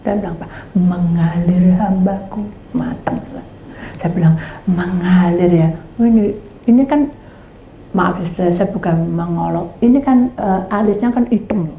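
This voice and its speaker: A woman's voice: fairly low pitch, moderate pace, dull audio. A middle-aged woman pastor, telling a sermon story and acting out each side of the conversation, sometimes dropping to a whisper. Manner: animated storytelling, acting out both sides of conversations, drops to whispers. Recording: echoey room with faint background noise.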